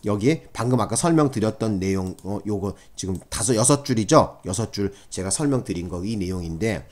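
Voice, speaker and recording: A man's voice: on the low side, lively intonation, fairly quick, darkish tone. A middle-aged man lecturing on criminal law for exam candidates in a conversational way, with frequent fillers and checks for agreement.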